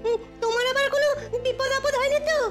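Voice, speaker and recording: A curious young village child, full of questions, as a woman voices them. The voice is extremely high, with music clearly under it. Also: steady tone, fast. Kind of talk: cartoon voice acting.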